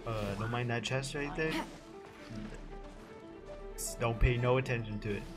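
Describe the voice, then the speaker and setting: A young man giving casual, slangy, deadpan reaction commentary while playing a video game. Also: mid-range voice, a little slow. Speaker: gaming streamer. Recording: game music behind.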